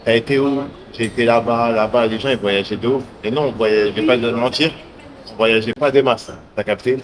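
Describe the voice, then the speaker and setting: A man's voice: medium pitch, steady tone, normal speed. A young man vlogging casually to the camera as he travels, in hyped, slangy street talk. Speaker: entrepreneur vlogger. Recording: noisy traffic and street background.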